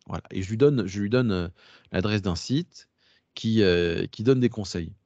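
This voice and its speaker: A man's voice: fairly low pitch, normal speed, darkish tone, dry recording. Brief: slangy male presenter, plain mid voice, dry dull lo-fi sound, digresses. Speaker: workshop presenter. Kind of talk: casual talk to a class.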